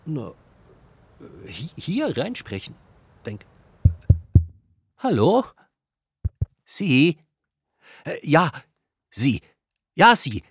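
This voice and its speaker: An actor playing a skeptical, easily irritated hiker in an audio drama, speaking in a dry, blunt manner. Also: male voice, fairly high pitch, wildly swooping pitch, very slow, pauses often, fairly bright tone, breathy edge, no echo, full character voice. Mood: hesitant, probing. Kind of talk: scripted audio drama dialogue.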